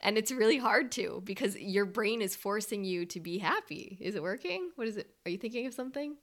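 A woman co-hosting a casual podcast, talking in lively, animated bursts. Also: medium pitch, brisk. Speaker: podcast co-host.

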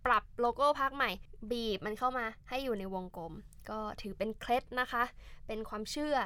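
ผู้หญิงพูดเร็ว เสียงค่อนข้างสูง คุยข่าวการเมืองแบบสบายๆ. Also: female voice, on the high side, brisk, smooth, no echo. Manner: chatty, animated storytelling. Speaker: co-host, academic. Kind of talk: casual political chat.

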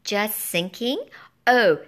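A woman's voice: mid-range voice, slow, a bit bright. A woman voicing a male bird guide who teases with chirpy, gloomy warnings. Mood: teasing. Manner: chirpy, mocking.

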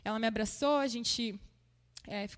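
A woman's voice: on the high side, a little slow, long reverb tail. A woman sharing a personal faith testimony in a conversational, emotional way, often tagging her sentences with little questions. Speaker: church member giving a testimony.

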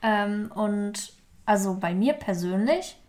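A woman's voice: mid-range voice, lively intonation, slow pace, darkish tone. A young woman co-hosting a casual podcast, talking easily and slipping English words into German. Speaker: podcast co-host.

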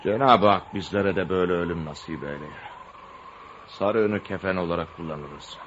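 An actor playing a rough caravan worker who exclaims in awe. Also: male voice, sits low, normal speed, a bit bright. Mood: exclamatory. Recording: dull audio with faint noise.

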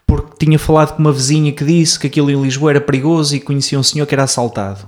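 A man's voice: fairly high pitch, steady tone, rapid-fire, a little mellow. Reflective Portuguese man chatting. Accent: European Portuguese. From Azores, Portugal. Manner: reflective, musing, hesitant. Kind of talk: casual chat.

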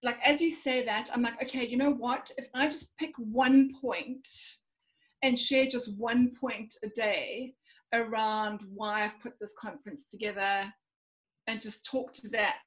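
A woman's voice: fairly high pitch, fairly even intonation, unhurried, low-quality recording. A woman talking through her fears with a coach, thinking aloud with fillers and hesitations. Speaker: coaching client. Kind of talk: reflective conversation.

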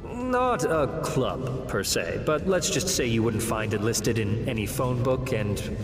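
An actor playing a smooth-talking demon who works as a defense lawyer, telling his story in a theatrical, wry way for an audio drama. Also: medium pitch, lively intonation, measured pace, lightly acted. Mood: wry, sardonic. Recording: reverberant hall, music underneath.

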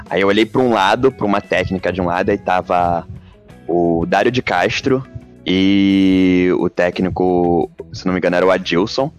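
A man with a Brazilian accent telling a story in a casual chat, animated and excitable. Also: low-pitched. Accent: Brazilian Portuguese.

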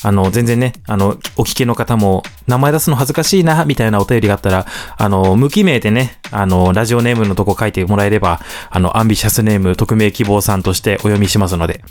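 A man's voice: on the low side, steady tone, quick pace, few pauses, darkish tone, soft background music. A man from Hokkaido co-hosting a casual podcast chat, playful and laughing often. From Hokkaido, Japan. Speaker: podcast co-host.

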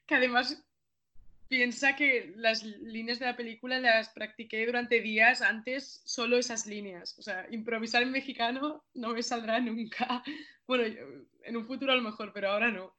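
Bright-voiced young Spanish actress. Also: female voice, fairly high pitch, fairly even intonation, moderate pace. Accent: Spanish from Spain. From Catalonia, Spain. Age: 20s. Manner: apologetic, self-deprecating, chatty. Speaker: actress guest. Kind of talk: casual interview.

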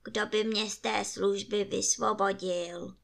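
A woman voicing an ancient ferrywoman in a storybook reading, slow and plaintive. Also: medium pitch, fairly even intonation, vocal fry, natural voice. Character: ancient old ferrywoman, weary.

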